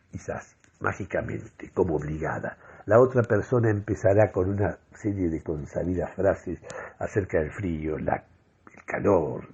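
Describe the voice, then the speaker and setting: A man's voice: sits low, darkish tone, slightly rough, muffled recording. A man performing a comic first-person radio monologue in a theatrical, mock-solemn manner. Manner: dramatic, mock-solemn delivery.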